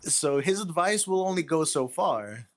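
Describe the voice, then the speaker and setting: A man's voice: on the high side, expressive, a little slow. A man speaking as a guest author in a casual interview conversation about his craft.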